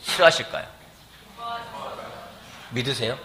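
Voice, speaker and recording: A middle-aged man preaching a sermon as pastor in a church, animated and often asking the congregation questions. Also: mid-range voice, unhurried, background noise. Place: church sanctuary.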